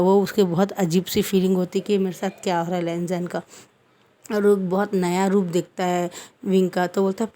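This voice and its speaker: A woman's voice: fairly low pitch, mellow. A woman casually retelling a fan story, narrating and quoting the characters' lines. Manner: plain narration with quoted dialogue, repeated "bolta hai".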